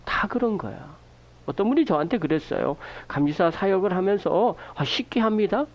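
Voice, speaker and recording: A man's voice: high-pitched, moderate pace, highs cut off. A man preaching a sermon as pastor, asking the congregation rhetorical questions and acting out prayers in his own voice. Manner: animated preaching, acts out prayers and quoted remarks. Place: church sanctuary.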